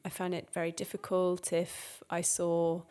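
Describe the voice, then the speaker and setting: English woman, lowish voice, easygoing. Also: completely flat delivery, unhurried, darkish tone, smooth. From England. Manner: thoughtful, many fillers and restarts. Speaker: guest. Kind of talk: conversational interview.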